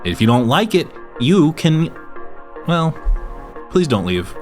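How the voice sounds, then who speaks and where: A man's voice: a little high, sing-song, slow, loud music behind the voice. A man with a Texas accent commentating casually on a game, tired and rambling, swearing now and then. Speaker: gaming streamer. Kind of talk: casual let's-play commentary.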